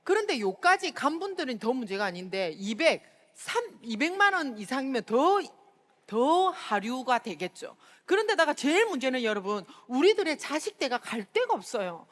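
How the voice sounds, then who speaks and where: A woman's voice: high-pitched, very animated, normal speed, a bit bright. A middle-aged woman with a Busan accent, giving a chatty, storytelling motivational talk at a seminar and often calling out to the audience. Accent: Busan dialect of Korean. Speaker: speaker at a sales seminar. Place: large hall. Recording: reverberant hall, stage mic.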